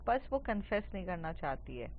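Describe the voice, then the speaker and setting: A woman's voice: fairly low pitch, sing-song, moderate pace, muffled recording, slight background noise. A woman voicing a teenage schoolboy in love, in her plain storytelling voice. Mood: wondering.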